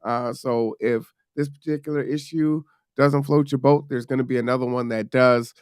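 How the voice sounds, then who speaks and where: A man's voice: mid-range voice, fairly even intonation, normal speed, a little mellow, clean tone, dry recording, clean studio sound. A man hosting a live show, talking loosely and chattily with fillers. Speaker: host.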